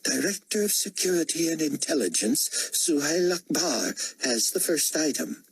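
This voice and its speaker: Audiobook villain, acted by a man: haughty male dictator, pitched well above plain talk, very husky, coldly formal and commanding. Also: lively intonation, normal speed, no room sound, heavily acted. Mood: icy formality. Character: imperious, menacing male dictator, coldly contemptuous.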